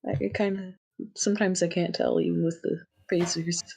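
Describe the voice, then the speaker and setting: A woman's voice: on the low side, flat delivery, moderate pace, creaky, darkish tone, slightly rough. A woman in a tabletop role-playing game, thinking aloud in a hesitant way.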